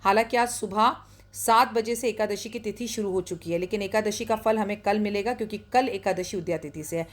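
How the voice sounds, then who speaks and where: A woman's voice: mid-range voice, a little fast. A woman astrologer hosting a storytelling show, telling a moral tale and driving points home with repeated lists. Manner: earnest, repetitive lists for emphasis. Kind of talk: moral storytelling with devotional talk.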